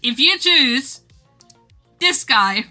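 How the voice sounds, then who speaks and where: A woman streaming casually to her viewers in a giggly, rambling, animated and teasing way as she works on art. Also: sits high, very slow, soft background music. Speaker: streamer drawing game art live. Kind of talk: casual livestream chat with viewers.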